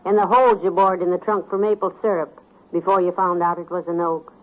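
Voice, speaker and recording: An actress playing a fond, chatty middle-aged wife in an old radio comedy. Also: female voice, on the low side, steady tone, a little fast, close to an everyday voice. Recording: tinny old radio transcription.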